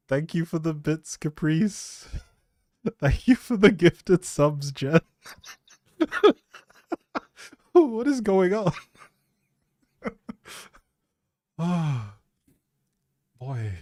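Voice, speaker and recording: A man's voice: fairly high pitch, a little mellow, no room sound, studio quality. A man hosting a gaming livestream, rambling casually in a giggly, flustered, scattered way.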